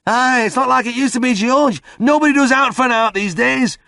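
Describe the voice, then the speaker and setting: A man voicing a grumbling older male drinker, gruff and disgusted. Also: very high-pitched, brisk, sharp tone, no echo, clean studio sound, pitched above the performer's own voice, full character voice. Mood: disgruntled. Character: grumbling old Yorkshire drinker, gloomy.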